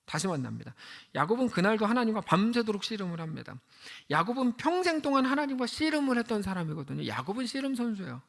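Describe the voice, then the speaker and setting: A man's voice: high-pitched, fast, creaky. A male pastor giving a conversational midweek sermon and acting out the people he quotes. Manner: lively conversational preaching, acts out quoted voices.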